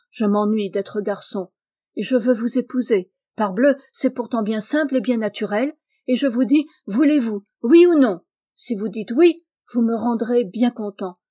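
Woman reading as a blunt hearty farmer, gruff and exclamatory, higher pitch, mellow tone. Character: bluff hearty male farmer, blunt and impulsive.

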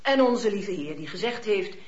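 An actress playing a demure, formal old spinster who runs an orphanage in a radio drama, deferential and hesitant. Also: female voice, mid-range voice, expressive, normal speed, natural voice. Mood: reluctant. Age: older. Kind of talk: Dutch radio drama acting. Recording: dull noisy radio drama recording.

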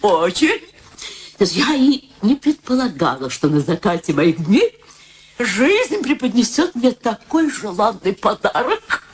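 A woman's voice: medium pitch, very animated, takes it slowly, a little hiss or hum. An actress playing a naive, gushing, inquisitive elderly mother who loves to matchmake in a radio play. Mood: delighted. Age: older.

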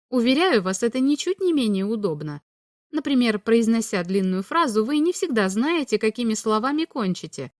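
A woman reading an audiobook, voicing a calm, all-knowing male alien humanoid a little higher than her own voice, in a patient, explanatory way. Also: no room sound, clean studio sound, close to an everyday voice.

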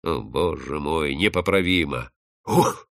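A man voicing a stern, agitated male officer in an audiobook, abrupt, hoarse and commanding. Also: rumbling low, slow, a bit bright, no room sound, studio quality, pitched below the performer's own voice, exaggerated voice. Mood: bitter muttering.

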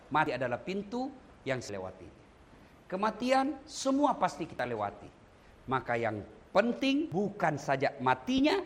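A man preaching at a condolence gathering, animated and humorous, often speaking straight to his listeners. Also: mid-range voice, slight background noise. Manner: animated and humorous, addressing listeners directly as "Pak". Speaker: Islamic preacher.

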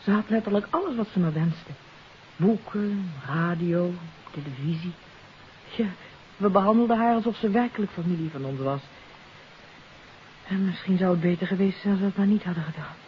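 Actress as troubled countess on hissy old radio. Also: female voice, lowish voice, normal speed, pauses often, lightly acted. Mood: regretful, reflective. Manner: earnest, hesitant, sighing confession. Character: troubled countess confessing her part in a kidnapping. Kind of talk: 1950s radio mystery acting. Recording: hissy, dull 1950s radio recording.

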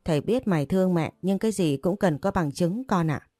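Woman doing a stern old household head, storybook figure, gruff commands, low mellow voice. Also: animated, brisk, no room sound, soft background music.

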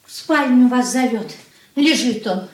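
A woman's voice: fairly high pitch, a little slow, close to an everyday voice. Woman playing an anxious middle-aged mother. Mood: fussing. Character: worried aging mother of a merchant family. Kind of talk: 1980s radio play acting. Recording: roomy with faint hiss.

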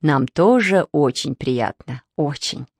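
A woman voicing a calm, courteous father in a storybook reading, lowering her voice softly. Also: takes it slowly, creaky, breathy edge, dry recording, studio quality, heavily acted.

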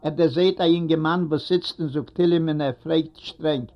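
A man narrates a literary story in a steady, even storytelling manner. His voice sits slightly high, and the recording is muffled and lo-fi. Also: normal speed. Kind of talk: literary reading aloud. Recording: dull lo-fi recording.

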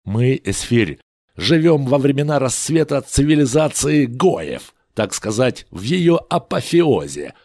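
A man's voice: medium pitch, big pitch swings, unhurried, a little mellow, no room sound, clean studio sound, pitched above the performer's own voice. A man voicing an argumentative, sardonic old Jewish man in a storybook reading.

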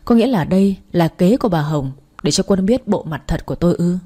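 A woman's voice: fairly low pitch, animated, a little fast, warm tone. A woman reading a dramatic first-person story as narrator.

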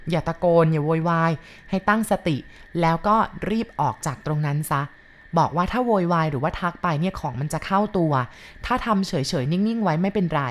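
A woman narrating a ghost story in a measured, polite retelling style. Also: fairly low pitch.

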